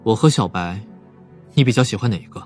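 A man's voice: lowish voice, expressive, brisk, natural voice. A man playing a clever, composed young police psychologist in an audiobook drama, probing and explaining. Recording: dry voice over soft music.

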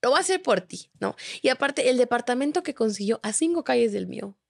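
A young woman with a Mexican Spanish accent chats as a podcast guest and tells a gossip story with lots of life. She slips into the voices of the people she quotes. Her voice sits a little high. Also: quick pace, gravelly. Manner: animated storytelling, acting out quoted dialogue. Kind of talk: casual gossip chat.

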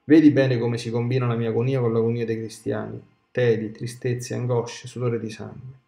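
A man reading aloud the words of Jesus as a grown man speaking tenderly to his daughter, in a solemn, measured devotional way. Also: medium pitch, flat delivery, vocal fry, mellow, natural voice. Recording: echoey room with faint music.

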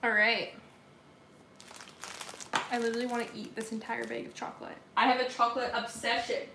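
This young woman's slightly high voice has vocal fry and little pitch movement, and she speaks fairly quickly in a Southern accent. She's baking and casually answering comments on a live stream from her kitchen, recorded by a laptop or phone camera at table distance with echo and background noise.

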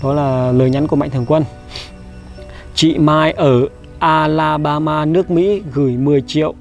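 A man hosting a vlog, briskly reading out a list of donors and coaxing and reassuring the person he is helping. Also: fairly high pitch, fairly even intonation, vocal fry. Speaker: vlog host handing out charity money. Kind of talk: reading a donor list, then casual talk. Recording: light background music.

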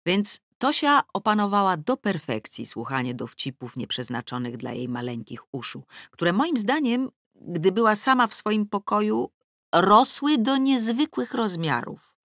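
A woman narrating an audiobook in the first person with a wry, ironic delivery and lively pitch swings, close to the mic. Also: measured pace, no room sound. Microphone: close studio mic.

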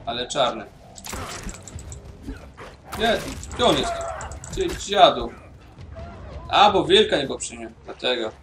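A man's voice: medium pitch, big pitch swings, slow pace, long pauses, far from the mic, over music. A man casually commenting on his own gameplay, mumbling to himself and swearing now and then. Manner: mumbling to himself while playing. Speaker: gaming YouTuber. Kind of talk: casual let's-play commentary.

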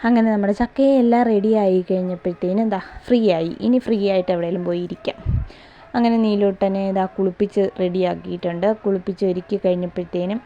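Young trivandrum mom narrating her day, chatty and homely, mellow dull-ish lo-fi sound. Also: medium pitch, steady tone, fast talker. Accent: Thiruvananthapuram Malayalam. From Kerala. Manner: chatty, homely, frequent tag "kettoa". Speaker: housewife vlogger. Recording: slightly dull lo-fi audio.

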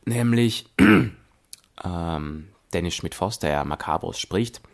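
A man with an Austrian accent giving a spoken review as a podcast reviewer, with emphatic, deliberate phrasing. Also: deep voice. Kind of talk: spoken audio drama review.

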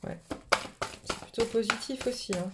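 Seated at a home table with the camera looking down on her cards, a woman suffering from a cold does an informal spiritual tarot reading, wandering through it with frequent fillers and false starts. She speaks at a normal speed in a slightly high voice, over heavy background noise.

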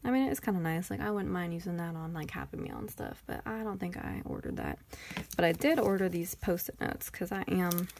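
Texan lady rambling thru a sticker haul, bit of vocal fry. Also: on the low side, brisk, darkish tone, slight background noise. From Texas. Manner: rambling, chatty, thinking aloud. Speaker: planner vlogger. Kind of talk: casual haul chat.

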